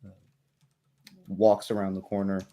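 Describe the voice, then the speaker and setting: A man narrating a tabletop game as game master, describing scenes in halting pieces. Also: deep voice, monotone, warm tone.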